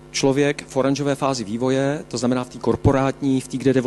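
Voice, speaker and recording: Noticeable background noise fills the recording. The words rush out at a very fast pace. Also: man. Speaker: author and lecturer. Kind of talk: lecture. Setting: small room, livestreamed lecture. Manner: halting.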